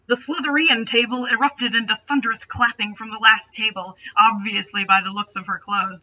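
A woman's voice: medium pitch, bright, forceful tone, slightly rough, highs cut off. A young adult woman reading a story aloud with dramatic delivery and sarcastic, mocking asides. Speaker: host reading fan fiction aloud. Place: small bedroom, indoors.

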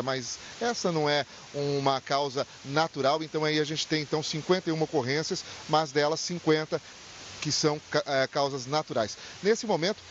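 A middle-aged man with a Brazilian accent reporting live from a city street into a handheld mic, conversational and animated, sometimes restarting phrases. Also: on the high side. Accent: Brazilian Portuguese. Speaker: field reporter. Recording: slightly dull with faint hiss.

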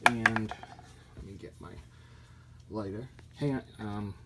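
A man giving a casual hands-on hobby tutorial, thinking aloud in a halting way as he works at home. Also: lowish voice, steady tone. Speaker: hobby model builder, video host. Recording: noisy handheld home video sound.

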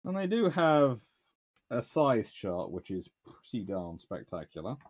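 Reviewing books and answering questions, a naval historian host in his thirties speaks British English from a home study lined with books. His mid-range voice swings widely in pitch, unhurried and with a breathy edge, and his casual chat is dotted with dry, wry asides and sudden bursts of enthusiasm.

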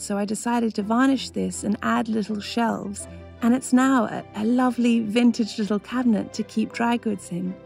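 An Australian lifestyle vlogger in her thirties narrates her home kitchen renovation through voice-over and casual vlog talk, chatty and enthusiastic and laughing often. Her voice is fairly high, gravelly and a little mellow.

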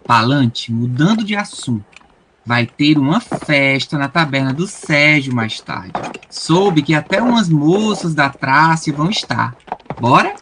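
A man's voice: fairly high pitch, lively intonation, a little slow, fairly bright tone, slight background noise. A Brazilian man playing a cocky, playful teenage prince in a comedic audio drama. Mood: boastful, scheming. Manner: playful, boastful. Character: cocky teenage prince, dreamy girl-chasing schemer.

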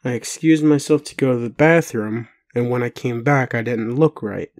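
A man playing a bewildered, doubting but gentle partner in an intimate roleplay audio, speaking haltingly with pauses. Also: medium pitch, natural voice. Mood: puzzled, doubting. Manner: halting, hesitant, full of pauses and sighs.

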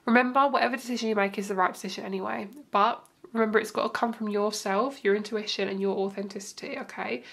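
A woman's voice: mid-range voice, fairly even intonation, fast talker, creaky, few pauses, a bit bright. A young woman with a stuffed-up nose from hay fever, giving a chatty, reassuring tarot reading with lots of fillers. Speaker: tarot reader. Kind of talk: casual tarot reading to camera. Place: indoor room, table seen from above.

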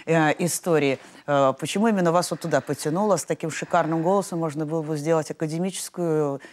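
A woman's voice: sits low, darkish tone. Hesitant woman hosting a TV interview. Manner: halting, with many fillers. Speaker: TV host. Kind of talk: interviewing a guest. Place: TV studio.

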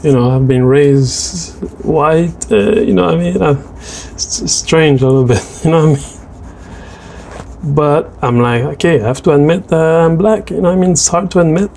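A man's voice: fairly high pitch, moderate pace, creaky, a little mellow, slight background noise. A man with a French Canadian accent, a native French speaker, chatting casually in a voice-over about his drawing and his tastes, hesitant with many restarts. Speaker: artist narrating a drawing video.

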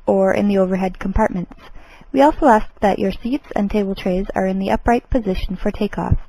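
Casting: composed flight attendant played by a woman, mid-pitched, dark soft tone, formal scripted safety announcement. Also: slightly rough, rough recording. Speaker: flight attendant in a listening lesson.

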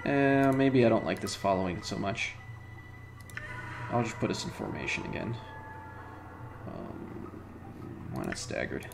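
A man's voice: lowish voice, very animated, measured pace, creaky, pauses often, over music. A man in his thirties casually commenting on the game he is playing, thinking aloud with lots of fillers at home. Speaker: let's play host. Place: home room.

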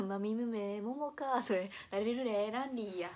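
A young woman from Nara speaks with a relaxed Kansai accent, chatting casually as a livestream host. She reads viewer comments aloud and breaks into laughter often. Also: medium pitch, unhurried. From Nara, Japan. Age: young adult.

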